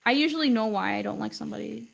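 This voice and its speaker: A young woman with a fairly high, gravelly voice full of fry talks through a live drawing stream. English is not her first language, and she rambles in a loose, chatty way, filling her sentences with "like.". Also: racing. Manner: chatty, rambling, heavy use of "like". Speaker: art teacher streaming live. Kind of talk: casual livestream chat while drawing.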